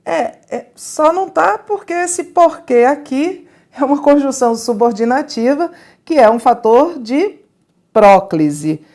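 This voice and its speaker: Woman, grammar teacher, slow, slightly high voice, asks and answers her own questions. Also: animated, a little mellow. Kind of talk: recorded grammar lesson.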